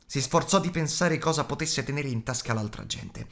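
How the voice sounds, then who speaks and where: A man's voice: mid-range voice, normal speed, a bit bright. A man narrating an audiobook in a dramatic, varied reading style. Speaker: audiobook reader.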